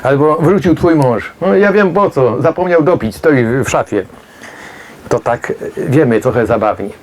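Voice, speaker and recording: A man's voice: mid-range voice, expressive, normal speed. A man, working as a medium and giving a chatty, jokey talk to an audience, wandering off into asides and acting out the voices of the people he quotes.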